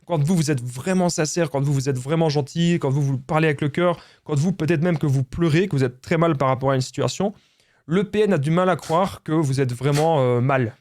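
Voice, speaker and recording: A man speaking with a Belgian French accent gives direct-to-camera relationship advice, often addressing viewers as his friends in an insistent, repetitive way. His voice sits on the high side, a little fast and a little mellow, with no room sound.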